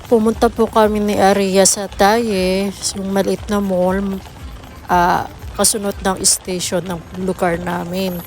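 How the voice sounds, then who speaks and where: A woman's voice: mid-range voice, little pitch movement, takes it slowly, a little mellow. Filipino woman vlogger over noisy background. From Philippines. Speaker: family vlogger. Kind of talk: casual vlog narration and chat.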